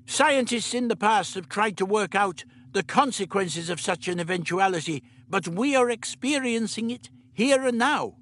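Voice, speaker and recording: A man voicing an irritable elderly male time traveller who lectures in a brisk, clipped, scolding way. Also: high-pitched, expressive, fairly bright tone, voice pushed up. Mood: lecturing.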